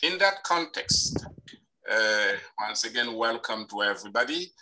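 A man's voice: lowish voice, expressive, unhurried, noisy background. A man hosting an online symposium, giving an emphatic, formal welcome with repeated phrases and fillers. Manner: emphatic, repetitive lists. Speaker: symposium host.

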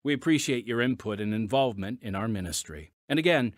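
A man hosting a Christian audio drama podcast, reading scripted announcements in an earnest, measured way. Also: mid-range voice, expressive, dry recording, studio quality. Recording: music bed underneath.

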